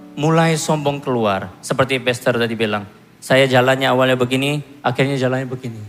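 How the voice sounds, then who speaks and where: A man in his thirties from Korea, giving a self-mocking, animated church testimony. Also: medium pitch. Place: church hall. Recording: long hall reverb with music behind.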